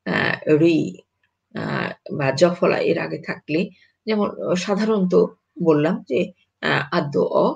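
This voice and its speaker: Slow, gravelly-voiced pronunciation teacher. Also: medium pitch, low-quality recording. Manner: slow, halting delivery with frequent "uh" fillers; repeats example words and checks understanding with "yes?". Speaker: language teacher. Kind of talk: online pronunciation lesson.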